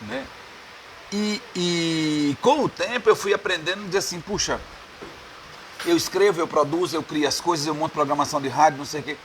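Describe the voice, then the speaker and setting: A man's voice: on the high side, brisk, a bit bright. Chatty man in a noisy bar. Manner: chatty storyteller, laughs often, repeats "né?". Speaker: radio producer and host, interview guest. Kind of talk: casual bar-table interview chat. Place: bar, indoors.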